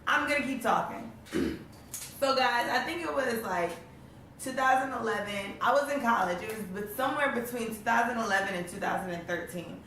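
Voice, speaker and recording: A young woman talks through a hoarse, raspy throat in a loose, rambling vlog style, sprinkling "like" through her sentences. Her voice sits some way back from the mic and rings around a very echoey room. A faint hiss of noise stays underneath. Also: a little high, moderate pace, a bit bright, far from the mic. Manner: chatty and rambling, full of "like". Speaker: motivational vlogger. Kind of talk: casual motivational vlog talk.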